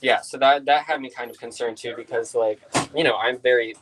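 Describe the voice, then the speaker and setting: A young man speaks over a video call in a mid-range voice. He asks his questions haltingly and fills the pauses with "um" and "like". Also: medium pitch, fairly even intonation, fairly bright tone, a little hiss or hum. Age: young adult. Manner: hesitant, many fillers. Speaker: student caller.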